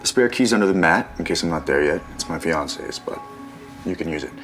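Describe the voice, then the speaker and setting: An actor playing a confident, wealthy young surgeon who talks coolly and teasingly. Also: male voice, sits low, animated, a little fast, a bit bright. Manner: cool, teasing, self-assured. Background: music.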